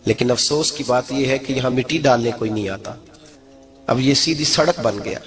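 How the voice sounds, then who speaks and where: A middle-aged man, preaching a sermon in an animated way and climbing to high, emphatic peaks. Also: moderate pace, a crowd in the background.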